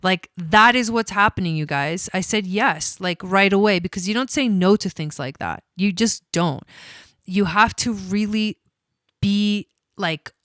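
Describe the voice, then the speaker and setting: A woman's voice: medium pitch, fairly bright tone, no echo. A woman from Argentina, an astrologer hosting a casual livestream, chatty and cursing freely with many fillers. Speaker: astrologer host.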